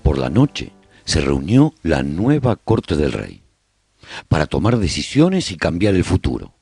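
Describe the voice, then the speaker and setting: A man narrating a radio drama as an earnest, resolute survivor chronicling his colony in a solemn, deliberate way. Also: extremely low pitch, huge pitch swings, creaky, dark tone, breathy edge, dry recording, clean studio sound, exaggerated voice. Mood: measured, solemn.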